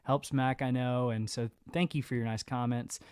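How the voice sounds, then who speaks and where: A man's voice: medium pitch, fairly even intonation, normal speed, a little mellow, smooth, no echo. Male podcast host, informal and earnest, conversational explainer, dry studio-tight sound. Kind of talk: casual podcast discussion.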